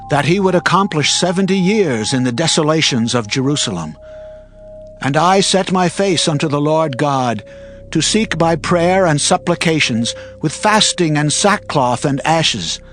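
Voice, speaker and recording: Man acting a penitent prophet, solemn, earnest, declamatory, slightly high male pitch, dramatized scripture, soft music behind. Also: lightly acted. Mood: solemn, recounting. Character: devout male Hebrew prophet, humbly penitent.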